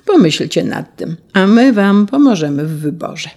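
A woman's voice: mid-range voice, big pitch swings, measured pace, dark tone, voice pushed up. A woman doing a wise old grandfather. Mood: admonishing.

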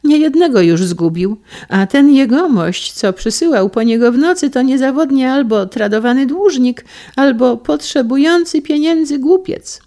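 A sharp-tongued elderly lady of a storybook tale, all scandal and shrill piety, as a woman reader puts her on. She spits out her judgments in a high, loud voice. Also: animated, moderate pace. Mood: scandalized. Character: gossipy old lady, sharp-tongued and pious.

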